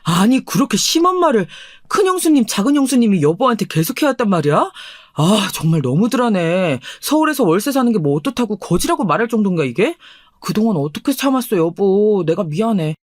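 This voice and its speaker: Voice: medium pitch, big pitch swings, brisk, no room sound. A performer voicing an earnest, deferential husband in his thirties in a dramatized radio story.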